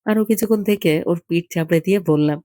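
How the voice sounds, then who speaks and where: Audiobook story reader, medium pitch, warm dark tone, intimate fireside storytelling, dry sound. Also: fast talker, no room sound. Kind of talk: scripted narration of a literary short story, unhurried storytelling.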